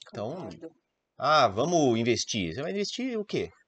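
A man talks at a fairly quick pace. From Brazil, São Paulo state (Amparo). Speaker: sales trainer and author. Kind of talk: interview.

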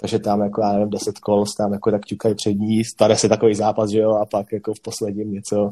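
A man's fairly low, dark, mellow voice, monotone and flat, at a very fast pace with big swings in loudness over a quiet background. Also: dry, close sound with no echo. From Prague, Czech Republic. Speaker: MMA fighter. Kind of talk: casual interview.

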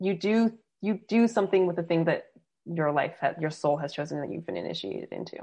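A woman speaks in a normal speaking voice, fairly low in pitch, at a fairly quick pace with ordinary pitch variation. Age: 30s. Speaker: spiritual podcast guest. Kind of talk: casual chat.

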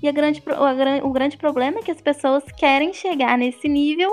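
Her high pitch and ordinary pitch variation mark this woman speaking at a moderate pace. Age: 20s. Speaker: nutritionist. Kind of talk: podcast interview.

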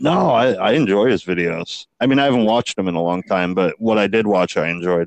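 An ordinary speaking voice with lively intonation at a fairly quick pace, hardly any pauses, very even loudness, and a dry, close sound with no echo. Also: man, fairly low pitch for a man. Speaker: podcast host. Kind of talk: casual chat, comedic banter.

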